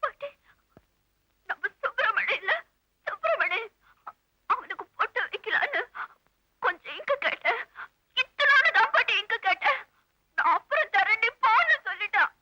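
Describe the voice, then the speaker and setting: A woman's voice: extremely high pitch, lively intonation, moderate pace, long pauses, pushed and bright, full character voice, rough recording. An actress playing a grown young woman with a childlike mind, whining and complaining to her grandmother in a 1980s film. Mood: whiny.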